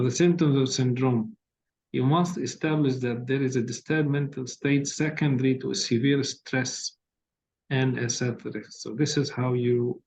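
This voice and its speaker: A man with a low, soft voice giving hesitant but direct feedback as an exam tutor over a video call. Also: creaky. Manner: hesitant, many fillers, corrective and direct. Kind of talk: online tutoring feedback session. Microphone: laptop on a video call. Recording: dull lo-fi video call audio with faint hiss.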